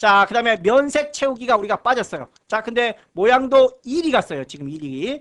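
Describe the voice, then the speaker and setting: The background stays quiet. Words come out at a fairly brisk rate. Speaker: computer certification instructor. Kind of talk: lecture tutorial. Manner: frequent filler 자.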